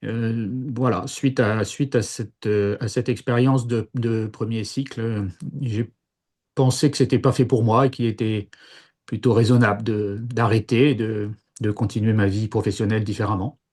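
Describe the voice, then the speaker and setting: In a relaxed interview, a former seminarian from Paris, France, now in his sixties, tells his life story haltingly, full of fillers and restarts. His voice is on the low side, steady and a little mellow, at a normal speed.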